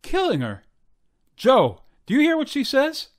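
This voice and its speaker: Lady doing gruff folksy sheriff for a radio play, bossy, voice goes up and down a lot. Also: high voice, wildly swooping pitch, unhurried, exaggerated voice. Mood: placating. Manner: folksy, brusque, commanding. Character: gruff, take-charge county sheriff. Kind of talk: old-time radio drama acting.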